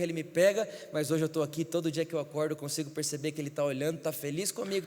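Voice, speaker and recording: A man, a pastor, preaching an emphatic storytelling sermon in a church. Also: fairly high pitch. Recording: church hall reverb.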